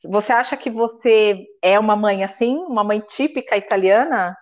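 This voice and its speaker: A woman's voice: medium pitch, normal speed, a little mellow. Curious woman host, dull lo-fi sound. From Brazil. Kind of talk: casual interview.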